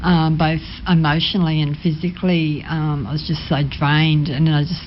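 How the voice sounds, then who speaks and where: Soft, hesitant, low-voiced woman. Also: level tone, moderate pace, muffled recording, a little hiss or hum. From Sydney, Australia. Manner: hesitant, many ums, soft-spoken. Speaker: interview guest. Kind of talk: personal testimony. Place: radio studio.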